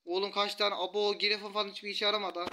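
A man commentating a mobile strategy game, taunting the enemy troops with rough slang. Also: high voice, flat delivery, quick pace. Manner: taunting, trash-talks enemies, rough slang. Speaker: gaming YouTuber. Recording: loud background noise.

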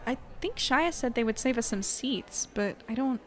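A woman's voice: fairly high pitch, expressive, normal speed, a bit bright, slight background noise. A woman playing an uneasy, thoughtful investigator in an audio drama, speaking casually and naturally. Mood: conversational.

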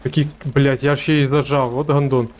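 A man's voice: mid-range voice, flat delivery, moderate pace, a little mellow, a little hiss or hum. A man on gaming voice chat, giving tactical callouts and swearing often. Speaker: gamer.

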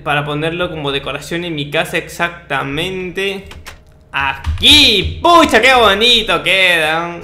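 Bright, forceful and high-pitched, this young man's voice carries a Peruvian Spanish accent as he hosts a gaming video. He chats through Minecraft gameplay in a casual, cocky, mock-boastful way, captured with roomy sound and a faint hum of background noise.

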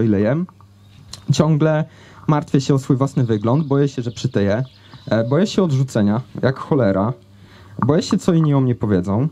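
Mellow and mid-pitched, this young man's voice carries a personal anecdote from an outdoor festival stage through a handheld microphone. He talks casually to the audience, pausing and using fillers a lot.

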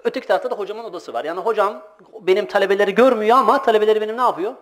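A middle-aged man leads a relaxed sermon, his voice sitting a little high for a man. He moves between plain teaching and stories, doing the voices of the people in them. He laughs now and then as he talks. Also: racing, slight background noise. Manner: animated anecdotes, acts out voices, laughs often. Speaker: religious teacher giving a monthly talk. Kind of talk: informal sermon with storytelling.

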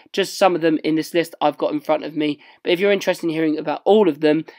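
A young man, hoarse and husky from losing his voice, explaining fitness in an earnest, self-deprecating vlog voice-over. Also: on the high side, a little mellow. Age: young adult. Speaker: fitness vlogger. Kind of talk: casual vlog chat and voice-over. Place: home, small room.

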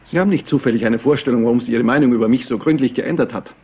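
An actor playing a sarcastic, sacked company executive in a German crime radio play, clipped and sardonic. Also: male voice, medium pitch, rapid-fire, a little mellow, husky. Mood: bitter, sarcastic.

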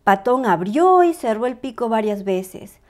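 High, lively woman telling a children's story. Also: a little slow. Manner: animated, clearly dramatized reading for small children. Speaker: storyteller reading a picture book aloud. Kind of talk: expressive scripted children's story narration.

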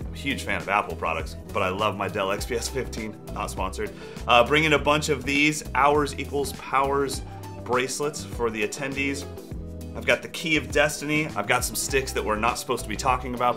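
A man in his forties, a drum educator, talking casually and upbeat to his camera in a vlog. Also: medium pitch. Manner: chatty, upbeat, self-deprecating. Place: drum studio room, later a car.

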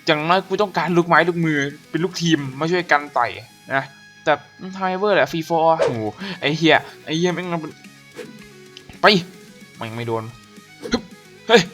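A man giving casual gameplay commentary as a gaming YouTuber, excitable and profane, often shouting at the enemies on screen. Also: a little high, normal speed. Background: game music.

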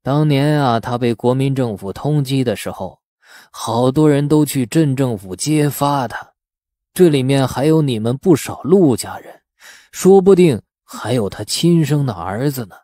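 Man voicing a slow, sneering old villager. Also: medium pitch, lively intonation, dark tone, no room sound, studio quality, close to an everyday voice. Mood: sneering, bitter. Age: older. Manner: slow, drawn-out, scornful drawl. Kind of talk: audiobook character acting.

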